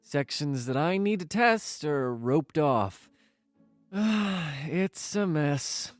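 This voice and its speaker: A man's voice: fairly high pitch, lively intonation, very slow, no room sound, soft background music. A man playing an affectionate, joking young boyfriend in a naturalistic audio drama. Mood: weary, explaining.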